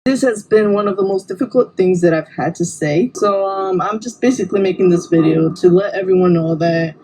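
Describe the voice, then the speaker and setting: A young trans man speaking earnestly and haltingly in a coming-out video. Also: high-pitched, a little mellow, rough recording. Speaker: vlogger.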